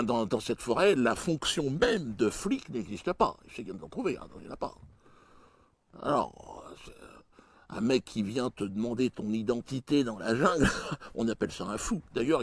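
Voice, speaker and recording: A man performing a stand-up comedy routine in a crude, mocking way, jumping suddenly in pitch and loudness. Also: creaky, slightly rough, no room sound.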